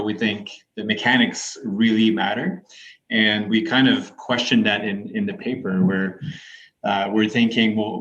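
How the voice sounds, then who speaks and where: A man's voice: lowish voice, a bit bright, highs cut off. A man, a physiotherapy researcher, explaining clinical ideas in a thoughtful interview answer.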